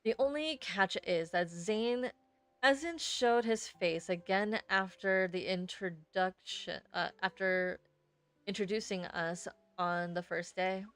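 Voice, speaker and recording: A woman's voice: medium pitch, slow pace, clear, resonant tone. A woman streamer reading a first-person story aloud expressively, sometimes stumbling over words and rereading them.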